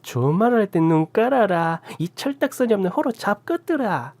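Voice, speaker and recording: A woman's voice: low-pitched, wildly swooping pitch, slightly rough, pitched above the performer's own voice, exaggerated voice. A woman voicing a tiny, hunched old aunt with a Gyeongsang accent who scolds and curses fiercely. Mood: ranting. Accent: Gyeongsang Korean. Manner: scolding, cursing, drawn-out shouts.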